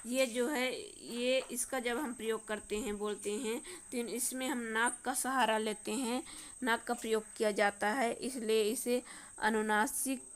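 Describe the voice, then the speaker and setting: A woman's voice: a little high, steady tone, a little slow. A woman teacher with a Madhya Pradesh Hindi accent, working through a worksheet and sounding out each letter one by one. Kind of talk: worksheet lesson walkthrough.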